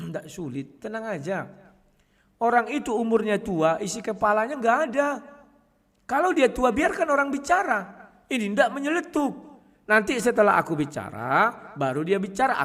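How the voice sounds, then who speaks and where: A man speaking casually to his viewers in a combative way, often clearing his throat. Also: sits high, a bit bright, long reverb tail. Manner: combative, addresses listeners as "kawan", frequent throat clearing. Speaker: online video host.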